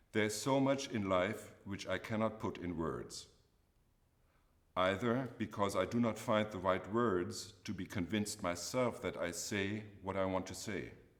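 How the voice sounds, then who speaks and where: A man speaks at a fairly slow pace with a non-native accent, his fairly low pitch showing ordinary variation against audible room echo. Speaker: arts center director, speaker. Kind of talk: lecture read aloud from text. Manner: slow, measured.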